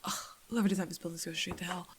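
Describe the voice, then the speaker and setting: A woman's voice: on the low side, steady tone, rapid-fire, a little hiss or hum, lightly acted. A woman playing a panicked, foul-mouthed, sarcastic spaceship captain in a sci-fi audio drama, muttering and swearing to herself in a naturalistic way. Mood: exasperated.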